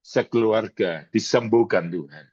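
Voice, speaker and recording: Slow, emphatic pastor from East Java. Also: male voice, fairly low pitch, darkish tone, no echo. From East Java, Indonesia. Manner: slow, emphatic, dramatic retelling, mixes in English words. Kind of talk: emotional sermon and prayer. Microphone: video call. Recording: dry, dull video-call audio.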